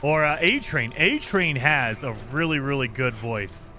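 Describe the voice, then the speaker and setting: A man streaming a game live, chatting casually and reading viewer comments, with a voice he calls high-pitched for a man. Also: unhurried, faint music behind. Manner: chatty, lively, self-deprecating.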